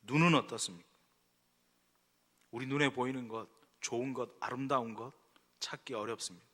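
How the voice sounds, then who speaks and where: A middle-aged male pastor preaches in a church, his bright, forceful voice trailing a long hall reverb. He tells stories in a relaxed, conversational way, then builds to emphatic exhortation. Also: medium pitch, moderate pace. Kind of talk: sermon. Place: church sanctuary.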